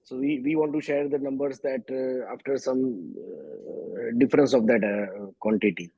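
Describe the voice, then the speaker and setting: A man with an Indian accent answering as a company executive on an earnings call, halting and often switching between Hindi and English. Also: medium pitch, creaky, husky. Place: remote conference call. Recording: dull, echoey conference call audio.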